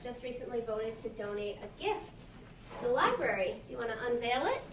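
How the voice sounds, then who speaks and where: A woman's voice: fairly high pitch, sing-song, fairly quick. A woman hosting a library event, casually addressing children and families. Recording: echoey, distant mic, noisy room.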